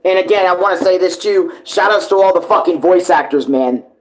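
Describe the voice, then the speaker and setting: A man with a slightly high voice hosts a casual live reaction. He talks earnestly, repeating points for emphasis and swearing freely. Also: brisk, rough recording. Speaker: reaction video host.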